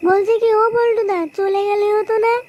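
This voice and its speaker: A performer voicing an excitable, easily spooked young man in a comic cartoon, repeating short phrases. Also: very high-pitched, fairly quick, lo-fi sound. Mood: scared, pleading.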